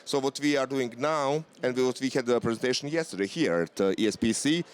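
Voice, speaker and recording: A man's voice: mid-range voice, brisk, clean tone. A man in his forties from Bosnia, speaking English with a Bosnian accent as a conference guest, hesitant with frequent fillers. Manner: hesitant, many "uh" fillers and restarts. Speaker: conference guest, software company representative. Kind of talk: casual conference interview. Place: conference venue.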